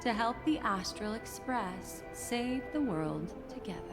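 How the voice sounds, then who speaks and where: An actress playing a poised, mysterious and teasing woman in a video game, measured and coy. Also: medium pitch, animated, music in the background, natural voice. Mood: composed. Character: poised, mysterious, teasing adult woman, enigmatic fortune-teller type. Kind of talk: video game character acting.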